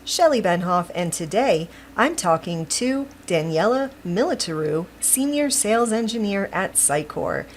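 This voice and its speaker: A woman's voice: mid-range voice, a little hiss or hum. A woman hosting a podcast, chatting casually and upbeat, laughing often. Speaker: podcast host. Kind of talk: casual interview chat.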